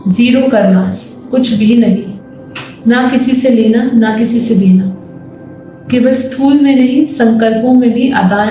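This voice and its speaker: An Indian woman leading a guided meditation with spiritual teaching, calm, measured and instructive in manner. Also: fairly high pitch. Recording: very echoey voice over faint music. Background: soft music.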